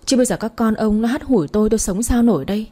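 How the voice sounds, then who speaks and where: Woman narrator doing a sharp-tongued old mother-in-law, storybook read, mellow husky tone, wailing complaints. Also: a little high, very fast, close to an everyday voice. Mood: whining self-pity. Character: scolding, dramatic elderly mother-in-law.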